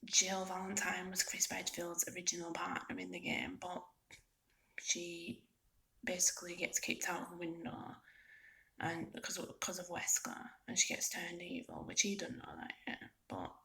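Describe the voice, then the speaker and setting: A woman gives a casual, soft-spoken ASMR ramble as a gaming vlogger, halting and informal, often slipping into a breathy near-whisper. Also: lowish voice, poor audio. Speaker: video game vlogger.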